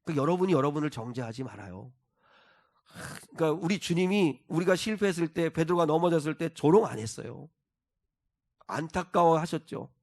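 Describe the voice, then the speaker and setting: A man with a fairly high voice preaching a Sunday sermon as a pastor. He talks earnestly and pushes toward stirring, repeated calls to his congregation. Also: animated, fairly quick, a little mellow. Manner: earnest preaching that swells into emphatic, repeated exhortations.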